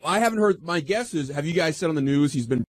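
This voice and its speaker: A man's voice: a little high, expressive, quick pace, no echo. A man on a radio panel asking persistent questions in an unscripted debate.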